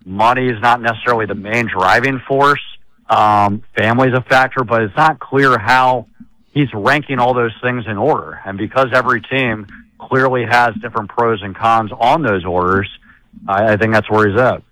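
A man with a loud voice and a big laugh, appearing as a guest insider on a sports radio show and giving measured, detailed analysis. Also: mid-range voice, dry recording, low-quality recording.

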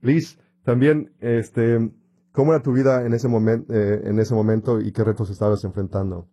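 A man's voice: fairly low pitch, fairly even intonation, normal speed, mellow. A man hosting an interview, encouraging his guests with many short affirmations. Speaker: host.

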